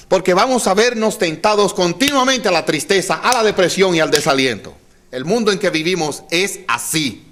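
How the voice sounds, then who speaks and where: A male pastor preaching a sermon to his congregation, calling them brothers and having them repeat phrases, with sudden drops to quiet, low emphasis. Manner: dynamic delivery, drops to soft low tones for emphasis. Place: church.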